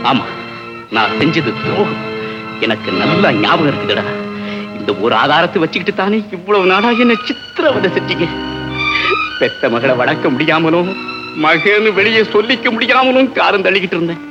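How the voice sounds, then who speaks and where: A man's voice: high voice, lively intonation, moderate pace, loud music behind the voice. An actor playing a remorseful middle-aged man confessing his betrayal in a heavy, grave way, in 1960s film acting. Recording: dull old film soundtrack.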